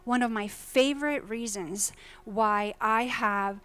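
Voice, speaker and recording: A woman's voice: fairly high pitch, takes it slowly, bright, forceful tone, smooth. A woman from Croatia giving an earnest talk to a conference audience, putting questions to the listeners. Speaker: faculty presenter. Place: lecture hall at a business summit.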